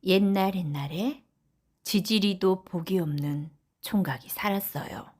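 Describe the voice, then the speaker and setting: Slow, soft-spoken woman telling bedtime tales. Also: on the low side. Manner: soft, often whispery, gentle delivery. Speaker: audiobook narrator. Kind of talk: bedtime storytelling of folk tales.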